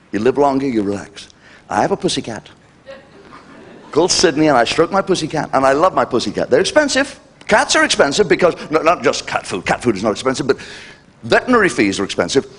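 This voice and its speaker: An older man doing a live stand-up comedy routine, brash and cheeky, with sudden jumps in pitch for punchlines. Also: big pitch swings, fast talker, a bit bright. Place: live venue with audience laughter.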